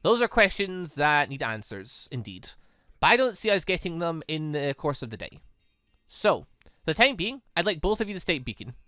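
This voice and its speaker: A game streamer voicing a calm, formal male headmaster in a visual novel, speaking deliberately. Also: medium pitch, dry recording, clean studio sound, faint music behind. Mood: thoughtful.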